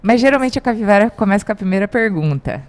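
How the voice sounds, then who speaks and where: A woman's voice: medium pitch, animated, fast. A woman co-hosting a talk show, asking the guest questions in a chatty, playful way. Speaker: co-host. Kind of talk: casual interview chat.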